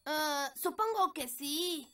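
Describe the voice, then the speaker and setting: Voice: sits high, lively intonation, takes it slowly, a bit bright, full character voice. A performer voicing an earnest, hesitant young elf boy with a childlike voice in a Latin American Spanish cartoon dub. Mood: curious. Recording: music behind the voice.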